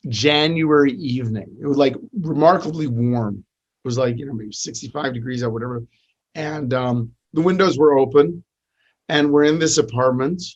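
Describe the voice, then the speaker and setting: A middle-aged rabbi, himself a podcast host, appears as a guest on a podcast interview, telling stories and teaching with many restarts and fillers. His voice is mid-range, and the audio sounds dull.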